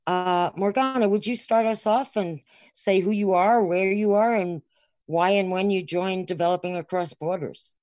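A woman's voice: mid-range voice, moderate pace, darkish tone, no echo, studio quality. A woman hosting a podcast, introducing guests with an enthusiastic, welcoming manner. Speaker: podcast host.

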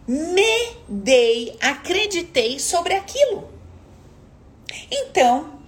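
Woman coach, emphatic and lively in pitch, light background hiss. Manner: emphatic, questions the audience directly. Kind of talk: motivational live stream talk.

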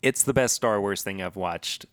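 A man co-hosting a casual podcast, enthusiastic and quick to restart his sentences. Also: lowish voice, no room sound. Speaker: podcast co-host. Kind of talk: casual chat.

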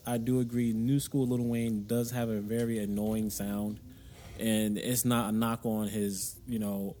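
A man's voice: medium pitch, a little mellow, slight background noise. A man co-hosting a casual podcast, agreeable and laid-back, steering topics with questions. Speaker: podcast co-host. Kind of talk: casual chat.

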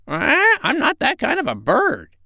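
A man voicing a small, proud, sly female parrot in a shrill, squawky voice for a storybook. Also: huge pitch swings, a little slow, creaky, bright, forceful tone, no room sound, clean studio sound, full character voice. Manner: boastful, cunning.

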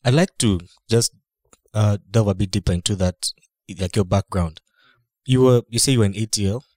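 Low mellow man asking polite questions. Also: normal speed, no room sound, clean studio sound. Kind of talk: interview questions.

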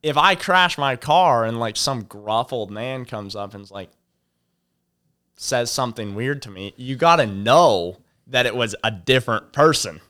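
A young man chatting casually on a podcast, telling rambling stories in a relaxed way and laughing often. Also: mid-range voice, measured pace, clean tone. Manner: rambling, laid-back storyteller, laughs a lot. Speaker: podcast co-host. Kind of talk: casual chat.

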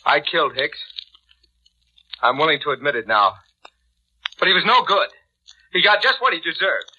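High, desperate condemned man. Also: sing-song, moderate pace, pushed and bright, husky, exaggerated voice. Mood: desperate pleading. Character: desperate, pleading condemned male killer. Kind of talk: 1940s radio drama acting. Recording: dull vintage radio recording.

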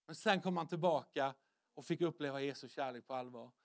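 A middle-aged man preaching a sermon in a conversational way, with many restarts, sometimes dropping to a soft, hushed voice for emphasis. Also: mid-range voice. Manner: conversational, repetitive restarts, drops to soft near-whisper for emphasis. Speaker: pastor.

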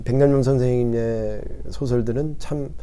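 A middle-aged man from the United States, answering as a professor in an interview in a modest, halting way, often searching for words. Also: mid-range voice, steady tone, warm tone, clean tone. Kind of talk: unscripted interview conversation.

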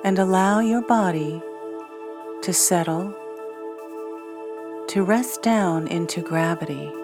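A woman guiding a scripted meditation in a gentle, soothing, soft-spoken way, leaving long pauses between short phrases. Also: on the low side. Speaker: meditation guide. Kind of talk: scripted guided meditation narration. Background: new-age music.

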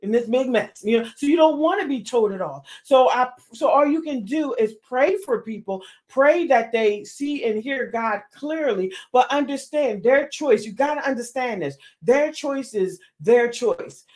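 A woman hosting a faith podcast, preaching emphatically, repeating phrases and swinging from loud declarations to hushed near-whispers. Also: sits high, expressive, a little slow, few pauses. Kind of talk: preaching to listeners.

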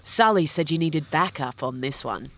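A woman's voice: sits low, animated, moderate pace, noisy background. A woman playing a cool, teasing, flirtatious adventurer in an audio drama, sly and self-assured.

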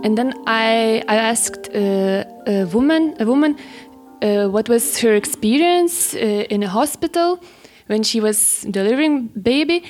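A woman's voice: fairly high pitch, animated, measured pace, a little mellow, soft background music. A woman interviewer asking a long question in a hesitant way, with many fillers. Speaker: podcast interviewer. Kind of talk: conversational question.

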